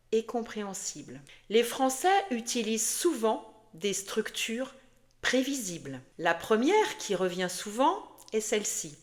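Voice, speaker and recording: Slow, lively woman teaching French. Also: on the high side. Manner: slow, clear, addresses the learner directly. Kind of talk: scripted language lesson.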